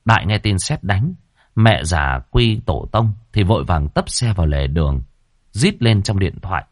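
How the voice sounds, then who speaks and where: A man, narrating a folksy ghost story in a lively, colloquial way. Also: sits low, normal speed, dry recording, clean studio sound.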